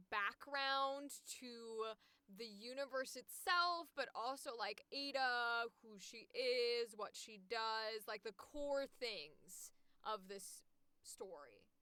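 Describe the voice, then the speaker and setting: A woman with a bright, crisp and fairly high voice hosts a casual livestream. Her way of talking is playful and informal, full of banter with her guest. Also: dry recording. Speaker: host, voice actor.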